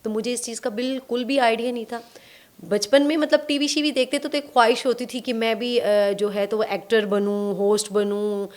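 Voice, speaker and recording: A young actress tells her story as a podcast guest, thoughtful and unhurried, pausing on fillers as she remembers. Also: a little high, fairly even intonation. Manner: reflective, storytelling, hesitant fillers. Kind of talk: casual interview chat.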